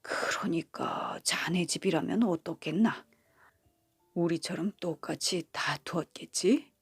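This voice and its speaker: A woman's voice: lowish voice, slow pace, dry recording, soft background music, full character voice. A woman voicing a grumpy, quarrelsome middle-aged farmer who blusters and grumbles. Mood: grumbling. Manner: gruff, blustering.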